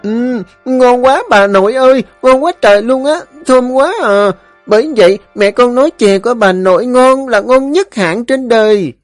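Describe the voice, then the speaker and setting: A man's voice: sits high, animated, moderate pace, dry recording, soft background music, voice pushed up. A man voicing a cheerful, chatty five-year-old boy, eager and sweet-talking. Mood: excited.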